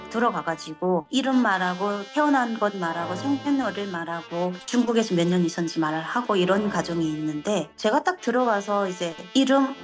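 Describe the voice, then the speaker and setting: A middle-aged woman from North Korea giving a personal testimony, telling her story in a lively way and acting out the dialogue. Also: mid-range voice. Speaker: interviewee.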